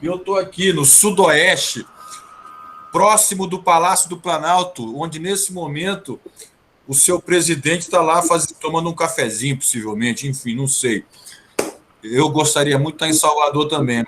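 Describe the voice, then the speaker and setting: A man's voice: fairly high pitch, moderate pace, fairly bright tone. A man with a Brazilian accent hosting a casual interview in an informal, bantering way. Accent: Brazilian Portuguese. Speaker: interview host. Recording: faint background noise.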